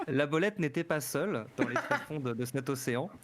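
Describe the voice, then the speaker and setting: A man's voice: fairly high pitch, sing-song, moderate pace, a little hiss or hum. A man chatting casually as a tabletop game player, joking and stumbling over repeated words.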